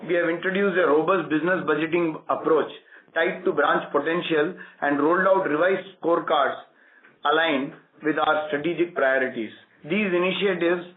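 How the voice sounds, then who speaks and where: This is a bank executive with an Indian accent and a rather high voice, formally reading prepared results during an earnings conference call. His delivery is measured and corporate, and the phone line sounds tinny, roomy and full of static.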